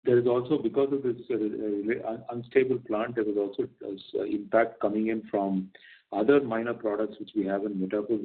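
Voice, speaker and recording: Man, Indian accent, low voice, halting, guarded executive answers, narrow phone-like sound. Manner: halting, stammering over repeated words. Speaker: company executive answering analysts. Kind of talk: unscripted earnings call answers. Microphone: phone or conference call line. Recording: narrow, tinny conference call line.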